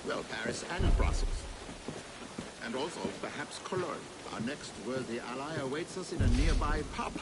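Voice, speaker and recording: An actor playing a polite, formal Victorian union organizer, recorded as game audio with loud ambient noise. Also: male voice, medium pitch, expressive, moderate pace, natural voice. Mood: calm.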